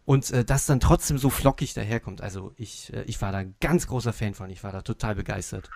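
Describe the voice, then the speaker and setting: A man's voice: fairly low pitch, a little fast, gravelly, darkish tone, no room sound. Casual male panelist, dry close sound. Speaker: podcast panelist reviewing audio dramas. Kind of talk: casual chat.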